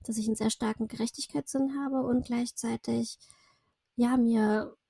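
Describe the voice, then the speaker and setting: A woman's voice: a little high, steady tone, normal speed, creaky, warm tone, breathy edge, dry recording, clean studio sound. A woman in her thirties, a native Russian speaker from Russia, talking as a podcast guest in a reflective, rambling way with many fillers and self-corrections. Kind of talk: casual interview chat.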